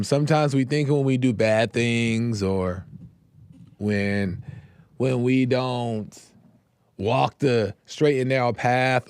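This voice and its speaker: A man talks slowly and thoughtfully about faith, circling back to his points with pauses and filler words. His voice is wearing thin and a little hoarse. The sound is close and dry, with no room echo. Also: mid-range voice, darkish tone. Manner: slow, reflective, with many fillers and repeated phrases. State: voice going hoarse. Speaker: host of a live call-in faith show. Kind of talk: casual devotional talk.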